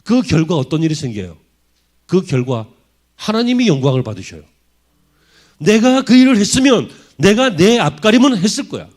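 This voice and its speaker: A male pastor delivers a sermon in a church, his voice sitting a bit high for a man and swinging widely in pitch. He keeps pressing his listeners with rhetorical questions, dropping low and soft at times, then lifting his voice again. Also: normal speed. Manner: animated preaching full of rhetorical questions to the congregation. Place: church sanctuary.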